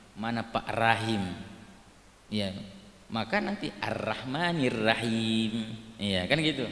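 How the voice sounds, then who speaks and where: A man at medium pitch with ordinary pitch variation, at a very slow pace with long, frequent pauses, in audible room echo. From Sulawesi, Makassar. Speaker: mosque imam and Islamic preacher. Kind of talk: religious lecture. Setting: mosque with congregation. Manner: conversational, many filler words (iya, ya).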